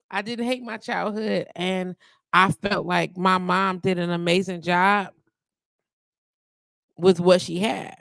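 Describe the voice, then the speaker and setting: A woman's voice: fairly low pitch, steady tone, takes it slowly, vocal fry, long pauses, fairly bright tone, no echo. A woman in her forties hosting a live radio show, talking casually and rambling with asides and laughs into a studio microphone. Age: 40s.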